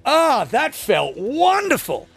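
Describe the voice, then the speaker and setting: A young Australian man hosts a talk radio show from a studio, venting crudely and comically. His voice sits high for a man. A faint music bed runs underneath. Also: wildly swooping pitch, takes it slowly, vocal fry, fairly bright tone. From Australia (Gold Coast, Queensland). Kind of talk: energetic talk radio monologue.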